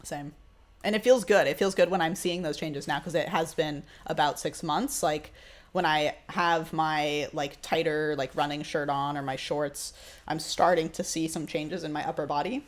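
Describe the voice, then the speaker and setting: A trans man co-hosting a casual podcast, upbeat and laughing often, with a high voice that is starting to drop. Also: fairly even intonation, moderate pace. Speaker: podcast co-host. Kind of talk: casual chat.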